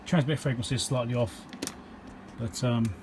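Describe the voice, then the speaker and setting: An electronics repair presenter talking casually as he works at his home workbench, thinking aloud with frequent ums and pauses. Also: mid-range voice, steady tone, background noise. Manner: thinks aloud with many ums, counts into the mic.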